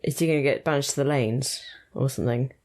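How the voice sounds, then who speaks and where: A young woman giving casual, chatty reaction commentary while watching an episode, thinking aloud in quick asides. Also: very deep voice, a little mellow. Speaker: reaction video host.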